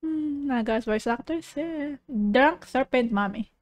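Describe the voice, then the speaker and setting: High-voiced, unhurried woman streamer. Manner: giggly, rambling, playful. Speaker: streamer reacting to videos. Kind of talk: casual livestream reaction chat. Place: living room.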